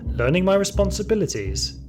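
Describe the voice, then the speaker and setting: A man playing a sadistic, power-hungry security guard, narrating his story in an audio drama with deliberate menace. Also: high voice, sing-song. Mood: gloating menace. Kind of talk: scripted first-person audio drama monologue. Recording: music behind the voice.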